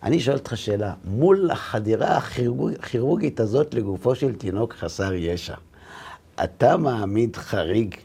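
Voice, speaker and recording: A man, a rabbi, telling stories in an animated way and slipping into voices to act out the dialogue. His voice is gravelly and husky, with a middling pitch. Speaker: rabbi and lecturer. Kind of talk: storytelling in a conversation.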